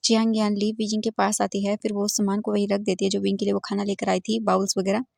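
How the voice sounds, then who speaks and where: A woman's voice: medium pitch, completely flat delivery, quick pace, gravelly, darkish tone, no room sound, clean studio sound. A woman casually retelling a fan fiction story in plain, explanatory storytelling.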